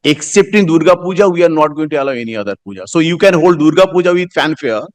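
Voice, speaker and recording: Male advocate, moderately high pitch, formal courtroom submissions. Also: expressive, quick pace.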